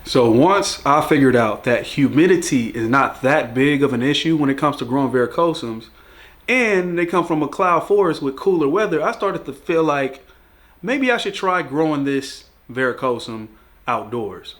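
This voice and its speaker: A man's voice: a little high, expressive, normal speed, a bit bright. A young man with a congested voice, recovering from a cold, chatting casually to his regular viewers in a laid-back, joking way. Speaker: plant vlogger. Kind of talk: casual video chat about plant care.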